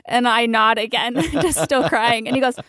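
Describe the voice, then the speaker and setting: Young woman guest, talks fast n giggly, kinda high voice, dry mic. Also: a bit bright, no echo. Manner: chatty, giggly storyteller with frequent restarts. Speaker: guest player. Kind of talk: casual interview chat.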